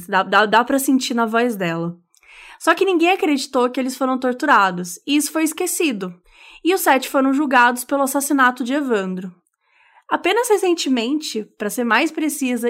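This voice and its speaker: High-voiced woman recapping a true-crime case. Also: fairly bright tone. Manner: conversational, frequent "né" fillers. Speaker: podcast co-host. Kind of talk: casual true-crime retelling.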